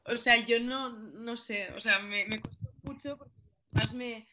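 A woman's voice: fairly high pitch, steady tone, moderate pace, noisy background. A woman in her twenties from Catalonia with a Spanish-from-Spain accent, chatting as an actress guest in an interview, apologetic and self-deprecating. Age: 20s. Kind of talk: casual interview.

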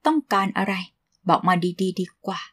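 A woman's voice: mid-range voice, expressive, moderate pace, fairly bright tone, husky. A woman voicing a blunt, tough-talking single woman in her mid-forties who scolds a younger man. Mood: gruff. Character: blunt 45-year-old single woman shopkeeper.

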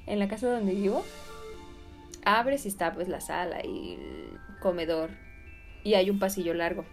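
Mexican woman telling a spooky story, super animated, laughs a lot, music behind. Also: medium pitch, unhurried, creaky, long pauses. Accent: Mexican Spanish. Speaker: podcast co-host. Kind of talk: casual chat telling a ghost story.

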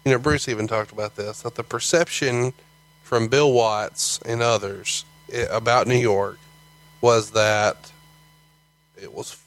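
A man's voice: mid-range voice, steady tone, a little slow, fairly bright tone, low-quality recording. A man hosting a podcast, asking probing follow-up questions in a conversational way. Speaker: podcast host, interviewer.

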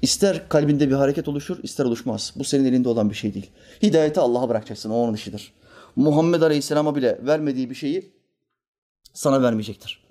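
A man preaching, his voice warm and mellow. He speaks calmly and deliberately, pausing to act out the people in his stories. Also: medium pitch. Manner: calm and measured, voices characters in anecdotes. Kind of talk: sermon with storytelling.

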